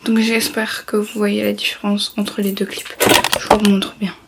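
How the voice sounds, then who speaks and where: A woman with a gravelly, mid-range voice and little pitch movement talks at normal speed while tidying her bedroom on a casual vlog, chatty, rambling and self-mocking. She is recorded off-mic from a distance in an echoey room, with heavy background noise and faint clatter.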